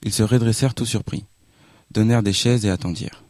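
Low, mellow-voiced male narrator. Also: brisk, dry recording, clean studio sound. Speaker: audiobook narrator. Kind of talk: literary audiobook reading.

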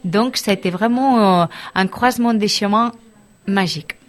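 Middle-aged woman from Barcelona, school counselor giving a relaxed interview, mid-range voice, hesitant and searching for words. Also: mid-range voice. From Barcelona, Spain. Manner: thoughtful, hesitant, many pauses and restarts. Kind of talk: casual interview answers.

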